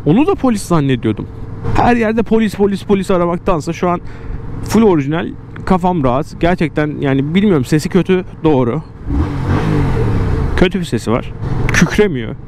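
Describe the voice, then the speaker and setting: Clear engine and traffic noise surrounds a man. He talks casually to his viewers from inside a motorcycle helmet, giving slangy, joking running commentary as he rides. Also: high voice, lively intonation, brisk, long pauses, darkish tone. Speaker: motorcycle vlogger. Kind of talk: casual chat to viewers while riding. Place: outdoors on a moving motorcycle in city traffic. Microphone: close helmet microphone. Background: motorbike and city traffic noise.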